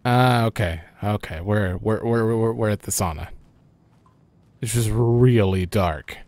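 A man's voice: fairly low pitch, a little slow, a little mellow, dry recording. A young man casually commenting as he plays a horror game, rambling and thinking aloud. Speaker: gaming channel host. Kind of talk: casual let's-play commentary.

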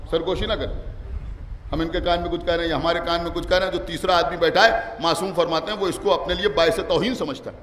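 Male preacher, Lucknow Urdu accent, very high voice, quiet teaching that builds to shouts; recorded in an echoing hall with long reverb. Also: a little hiss or hum. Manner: swings from quiet explaining to shouted climaxes, calls for salawat. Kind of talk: majlis sermon. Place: large imambara hall with gathered crowd. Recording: echoey hall, long reverb, faint crowd.

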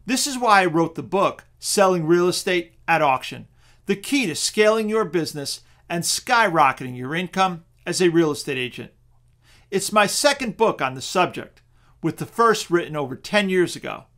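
High-voiced man giving a persuasive pitch. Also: moderate pace. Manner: steady, persuasive sales pitch. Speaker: real estate auction presenter. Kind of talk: scripted webinar narration.

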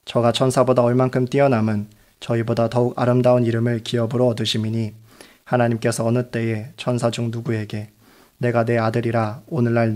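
A man reading Bible passages aloud in a measured, steady manner. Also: medium pitch. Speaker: Bible reader. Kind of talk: scripture reading.

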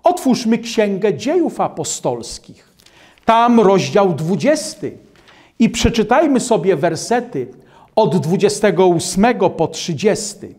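An older man preaching a studio sermon at a lectern, reading Bible verses aloud in a measured way. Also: sits high, sing-song, darkish tone.

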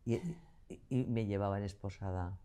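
A woman's voice: a bass voice, steady tone, moderate pace, dark tone, clear, resonant tone. An older woman from Zaragoza, a guest actress telling stories at length in an interview. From Zaragoza, Spain. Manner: chatty, talkative storyteller. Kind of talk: interview conversation.

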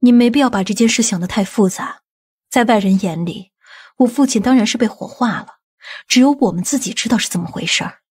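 Scheming aunt role, female actor: authoritative, measured, slightly high husky voice, audiobook drama. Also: darkish tone. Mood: firm. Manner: measured, matter-of-fact, authoritative. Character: composed, commanding, scheming aunt of a powerful family.

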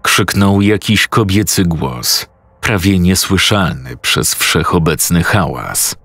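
A man narrating a scripted horror story in a tense, measured voice, close to a studio mic. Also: low-pitched, expressive, a bit bright, breathy edge, dry recording.

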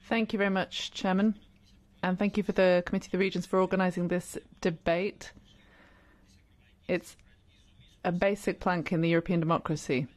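A woman giving simultaneous interpretation of a debate speech, brisk and pausing on filler sounds between phrases. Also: fairly low pitch, fairly even intonation. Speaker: conference interpreter.

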